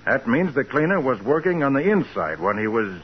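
A man playing a shrewd, brisk private detective in 1940s radio crime drama style, with a commanding, clipped delivery. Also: medium pitch, sing-song, husky. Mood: intent, deducing. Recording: muffled, noisy 1940s radio recording.

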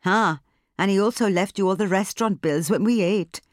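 Woman voicing a sharp-tongued older Indian wife, high-pitched. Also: moderate pace, no room sound, studio quality, close to an everyday voice. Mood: bitter, mocking. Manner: scornful, emphatic. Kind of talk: audiobook character dialogue.

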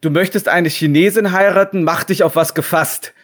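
A man's voice: sits high, steady tone, normal speed. A man in his thirties, a guest talking casually at home over a video call, hesitant with many restarts. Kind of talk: casual remote interview.

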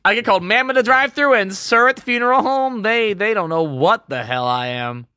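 A young adult man co-hosting a casual podcast, teasing and wry with deadpan jokes. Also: high voice, fairly quick, clear, resonant tone, no room sound, clean studio sound. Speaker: podcast co-host. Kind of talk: casual chat.

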